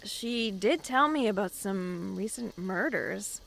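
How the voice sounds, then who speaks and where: A woman's voice: medium pitch, expressive, slow, gravelly, fairly bright tone, exaggerated voice. A woman playing a dryly teasing young woman new in town, in a naturalistic audio drama. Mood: casual, wry.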